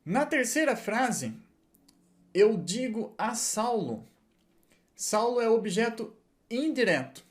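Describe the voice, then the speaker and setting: A man's voice: extremely high pitch, sing-song, slow, long pauses. A man giving a patient lesson, explaining step by step and checking in with his listeners often. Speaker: Hebrew and Greek teacher.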